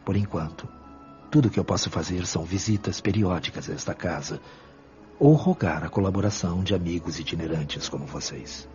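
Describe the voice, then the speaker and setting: A Brazilian actor playing a fatherly, benevolent spirit mentor in a radio drama, speaking in a measured, earnest and solemn way. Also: deep voice, warm tone, lightly acted. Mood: earnest, grave. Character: Brother Félix, benevolent superior spirit mentor, fatherly, grave. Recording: dull lo-fi sound with music. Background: background music.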